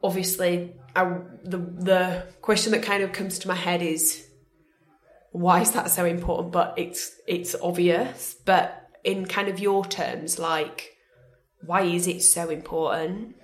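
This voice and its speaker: A woman's voice: fairly low pitch, fairly even intonation, a little slow, roomy sound. A woman hosting a casual interview podcast, informal and blunt in her way of talking.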